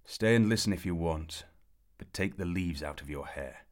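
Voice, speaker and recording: A man voicing a gruff, short-tempered old knight with a white moustache. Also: low-pitched, moderate pace, natural voice. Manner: blustering, loud.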